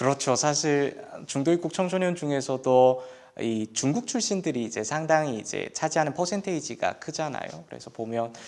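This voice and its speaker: With lively intonation, a man speaks at a moderate pace. His pitch is fairly high, and he has an ordinary speaking voice. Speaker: lecturer, young migrant. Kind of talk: Q&A interview. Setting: online video stream.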